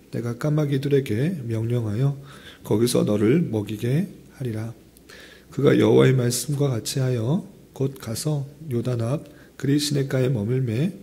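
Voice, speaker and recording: A male pastor leads a service in a formal, measured way, reading scripture and explaining it. His voice is hoarse from a throat cold, with a heavy gravelly creak and a soft, dark tone. The delivery stays polite and orderly. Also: medium pitch. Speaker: pastor leading a dawn prayer service. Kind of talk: scripture reading and expository sermon.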